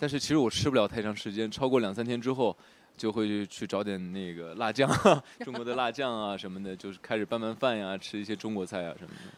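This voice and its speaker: A man talks at a very fast pace with ordinary pitch variation. His pitch sits fairly low. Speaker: actor. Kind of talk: interview answer.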